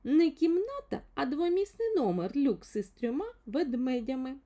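Woman voicing an excitable little storybook man, high-pitched. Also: moderate pace. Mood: officious. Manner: loud, exclamatory, self-important. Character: excitable little fairy-tale man, pompous and blunt.

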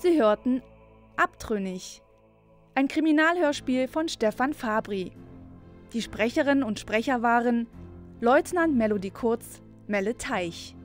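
A woman's voice: on the high side, lively intonation, unhurried. A woman announcer giving a scripted reading of closing credits for an audio drama. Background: music.

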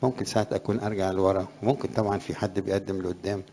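A middle-aged priest with an Egyptian Arabic accent gives a conversational sermon to young graduates in a low, warm voice with little pitch movement, speaking very fast and rising in emphasis on scripture verses.

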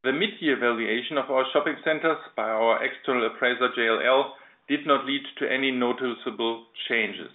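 German-accented executive on a phone line. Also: male voice, medium pitch. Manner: formal, measured, reading from prepared text. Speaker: company chief executive presenting results. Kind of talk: scripted financial presentation on a conference call. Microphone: telephone conference line. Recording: narrow phone-line sound.

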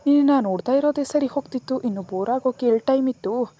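A woman's voice: high-pitched, fast, dark tone, pitched above the performer's own voice. Brief: woman reading as a hot-tempered young lover, teasing then scolding, storybook romance. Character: young male lover, teasing, quick to anger.

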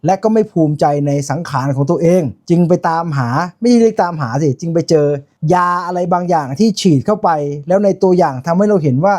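Chatty man with a mellow voice. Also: high-pitched, fast, hardly any pauses. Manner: chatty, informal, full of asides and self-corrections. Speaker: film reviewer. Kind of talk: casual spoken film review.

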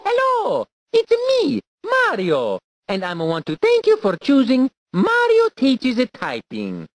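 A man's voice: no room sound, heavily acted. A man voicing Mario, a cheerful cartoon plumber hero with an exaggerated Italian accent, giggling and cheering on a player learning to type in a video game. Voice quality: squeaky, sing-song. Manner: goofy and encouraging, giggly. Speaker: typing tutor guide. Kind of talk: video game character voice lines.

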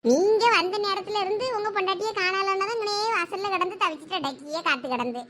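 A woman's voice: very high-pitched, quick pace, fairly bright tone, slight background noise. A woman with a Thoothukudi Tamil accent playing a caring village housewife who coaxes and reassures in a talkative way. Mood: reassuring. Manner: coaxing, talkative. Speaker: village wife. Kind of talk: village drama acting.

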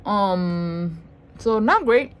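A woman's voice: medium pitch, lively intonation, drawn-out words. Woman beauty vlogger, casual slangy review chat, mid-range voice. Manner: chatty, slangy, playful asides. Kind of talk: casual product review vlog.

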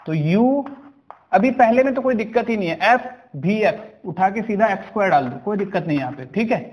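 A man teaches a maths lesson slowly, working through problems step by step and frequently asking whether the class understood. His voice is high-pitched, animated and a little mellow, and the recording is rough.

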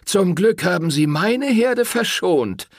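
A man's voice: sits high, animated, slow, dry recording, clean studio sound, pitched above the performer's own voice, exaggerated voice. Boastful tavern shepherd, voiced by a man. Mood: mocking. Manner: mocking, boastful.

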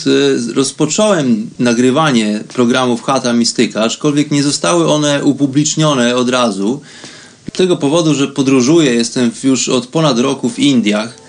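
A man from Poland with a medium-pitched voice hosts a radio program. He talks informally and reflectively, as if improvising a monologue. His phrasing is chatty and unhurried.

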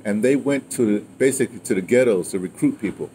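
An American man in his sixties, a guest, casually recounts his radio history outdoors beside a house with a wooden awning, rambling and digressing animatedly and often tagging phrases with "right?" and "you know." His voice is on the low side and fast, and a loud crowd is audible amid clear ambient outdoor noise.

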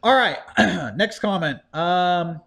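High-voiced guy reading comments on a podcast set, swings up and down a lot, jokey and profane. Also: animated, takes it slowly, creaky, a bit bright. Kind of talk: casual chat. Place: studio set with couches and neon signs.

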